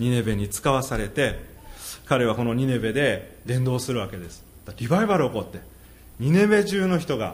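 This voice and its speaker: A man at a medium pitch speaks at a moderate pace with very wide pitch swings, and audible room echo surrounds him. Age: 40s. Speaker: pastor. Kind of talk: sermon. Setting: church.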